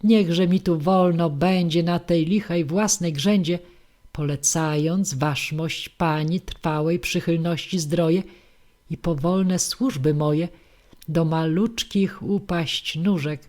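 A woman with a fairly low voice reads classic verse aloud at a slow, unhurried pace. Her delivery stays measured and even from line to line. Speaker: audiobook reader. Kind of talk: reading a verse comedy aloud.

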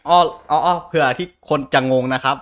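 A man's voice: a little high, brisk, a bit bright, clear, resonant tone. A man explaining things in casual chat as a co-host, hesitant and often repeating his words.

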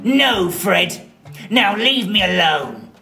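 Tight-fisted old man woman performing, curt, contemptuous, animated puppet-show delivery. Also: medium pitch, slow pace, gravelly, roomy sound, soft background music, full character voice. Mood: scornful. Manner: curt, scornful. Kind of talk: children's puppet-show storytelling.

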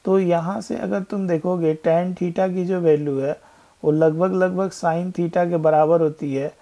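A man tutoring physics over a screen recording, laying out each step of a problem with patience. His voice is mellow and dark, and he speaks at a slow, unhurried pace, often slowing further to read the question aloud. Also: sits high, steady tone. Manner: explains step by step, mixing Hindi with English, rereads question text slowly. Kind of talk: whiteboard exam-problem walkthrough.

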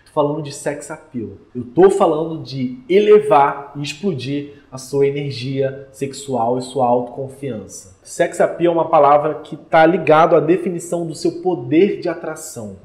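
A man from Brazil speaks as a relationship coach in a lively, emphatic direct-to-camera talk. His voice sits slightly high, and the room adds a noticeable echo. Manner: energetic, emphatic, addresses viewer directly.

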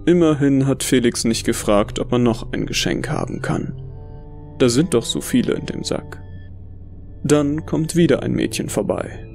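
A man reading a first-person horror story as scripted narration, in a measured, brooding storytelling manner. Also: mid-range voice, gravelly, a little mellow, soft background music.

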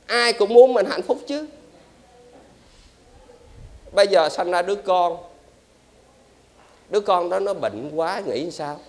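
A man, a Buddhist monk giving a lively dharma talk and quizzing his audience. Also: high voice, slow, long pauses.

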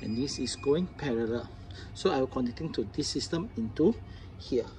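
Mellow-voiced man, halting Southeast Asian demo. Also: medium pitch, expressive. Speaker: product demonstrator. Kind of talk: unscripted hands-on product demonstration. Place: indoors at a tabletop, faint background noise.

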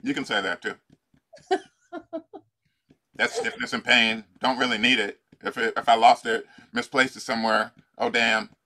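An older man leading a tapping exercise over a video call, playful and laughing, often pausing with fillers. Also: medium pitch, steady tone, sharp tone. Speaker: life coach. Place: home room.

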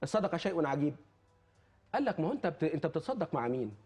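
Man, Egyptian accent, talk-show guest. Fervent preacher who quotes scripture, high voice, rapid delivery. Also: sing-song, a little mellow. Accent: Egyptian Arabic. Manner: impassioned, quotes scripture, repeats oaths. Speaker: charity foundation guest.

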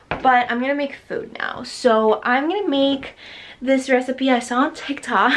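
A teenage woman chatting candidly in a casual vlog, often saying "like". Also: a little high. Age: late teens. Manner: chatty, frequent "like", candid about her feelings. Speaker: vlogger, high school senior.

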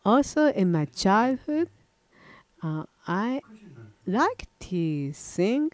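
An older man with a Japanese accent delivers a sermon in English from a wooden lectern in church. He speaks at an unhurried pace. He often stops partway through a phrase and corrects himself. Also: high voice, very animated, no room sound. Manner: halting, frequent self-corrections and restarts. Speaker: pastor.

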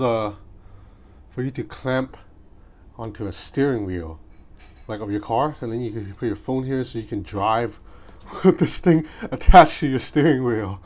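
At a measured pace broken by long pauses, a gadget reviewer with a mid-range, darkish voice thinks aloud through an informal unboxing vlog. He's recording in a small room at home that is clearly noisy, with street noise coming from outside.

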